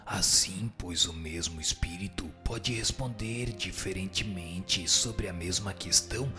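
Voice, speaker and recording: Radio drama: male actor as wise Brazilian spirit, solemn and didactic, very measured pace, low register. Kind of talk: scripted radio drama reading of spiritist teaching.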